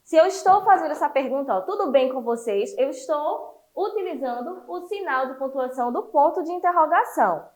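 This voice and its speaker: A woman teacher from Brazil giving an online class to children, lively and encouraging, explaining step by step. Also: high-pitched, brisk, few pauses.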